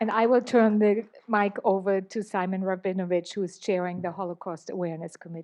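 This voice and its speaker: Speaking fairly quickly with hardly any pauses, a woman with a German accent keeps a medium pitch and fairly even intonation. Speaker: university dean and historian. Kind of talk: formal welcome speech. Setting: classroom event with Zoom audience. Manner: formal.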